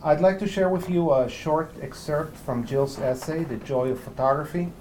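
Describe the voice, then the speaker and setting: A man's voice: fairly high pitch, moderate pace, darkish tone, a little hiss or hum, low-quality recording. A man hosting a lecture series, reading a prepared formal introduction in a polished manner. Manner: polished, reads from a prepared text.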